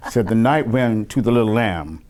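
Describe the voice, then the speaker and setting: A man with a fairly low voice talks casually as an interview guest. He rambles a little and laughs often while telling stories. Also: darkish tone.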